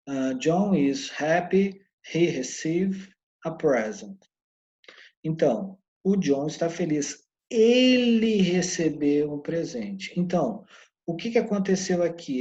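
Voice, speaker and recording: Mellow Brazilian male English teacher. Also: fairly high pitch, highs cut off. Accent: Brazilian Portuguese. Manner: explains patiently, sounds out English words slowly. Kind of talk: online English lesson.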